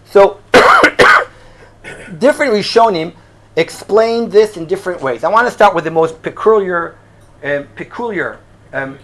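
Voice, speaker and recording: A man's voice: sits high, expressive, a little slow, pauses often, pushed and bright. A man from Israel, a Hebrew speaker, giving an informal religious class as a rabbi, in a conversational, questioning way sprinkled with Hebrew and Yiddish terms. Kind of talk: informal religious lecture to a live group.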